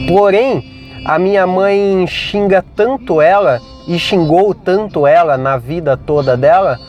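Male podcast host, high voice, jokey in-car monologue, faint music bed. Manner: rambling, jokey, narrating what he sees. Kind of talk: casual rambling monologue. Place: inside a car with windows closed.

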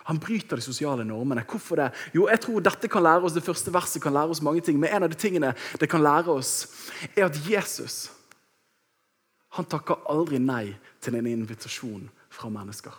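A man in his thirties preaching a sermon, telling a personal story with lively, acted-out moments. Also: fairly high pitch, breathy edge. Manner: lively storytelling, acts out shouting.

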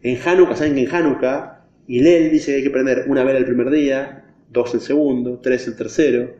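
A man's voice: medium pitch, steady tone, fairly quick, mellow. Man, classroom teacher, quizzing students, roomy echo, dull lo-fi sound. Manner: explains step by step, quizzing the class. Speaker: religion teacher. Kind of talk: classroom lesson. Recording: echoey, dull lo-fi room recording.

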